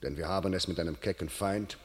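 An actor playing a proud, scornful English field commander in a classical verse radio play, with biting, authoritative declamation. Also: male voice, sits low, fast talker, husky. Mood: grave, weary. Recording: long reverberant hall sound.

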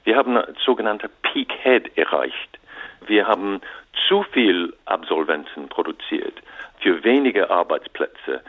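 A man calls in as an author, speaking German as a with as his first. He stumbles and restarts often and drops fillers into his sentences. His low, lively voice comes through a tinny phone line. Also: husky. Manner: halting non-native German with repeated restarts and English fillers. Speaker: author and interview guest. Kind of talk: radio interview.

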